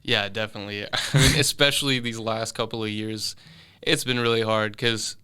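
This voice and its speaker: A young man in his twenties who grew up in London talks through his answers in a relaxed, halting way, full of "um" and "like." His voice sits a little low yet sounds bright and forward. The tone is exceptionally clean and smooth. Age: 20s. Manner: relaxed, hesitant, many fillers and restarts. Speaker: guest musician. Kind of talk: casual interview answers. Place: studio.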